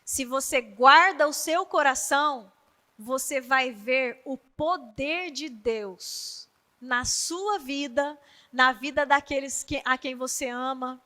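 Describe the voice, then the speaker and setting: Bright-voiced woman preacher. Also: high voice, slow, big-room sound. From Brazil. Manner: animated storytelling, acting out quoted voices. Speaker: preacher at a women's meeting. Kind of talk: sermon. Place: church hall.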